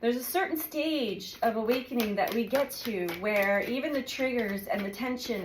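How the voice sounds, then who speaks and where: A woman talks with ordinary pitch variation. Noticeable background noise runs beneath her voice. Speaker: tarot reader and life coach. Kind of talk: tarot card reading. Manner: speaking quietly; hesitant, many fillers.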